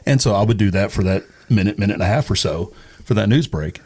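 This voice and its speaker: Low-pitched American man reminiscing. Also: fast, darkish tone, husky. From East Texas, United States. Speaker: radio personality, interview guest. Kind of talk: casual reminiscing.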